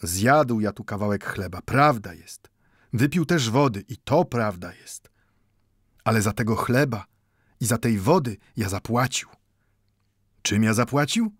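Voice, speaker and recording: A man's voice: lowish voice, animated, measured pace, long pauses, breathy edge, no echo, studio quality. A man voicing an old Jewish bookbinder in an audiobook, speaking broken Polish full of "nu" and growing heated as he pleads. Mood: pleading. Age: older.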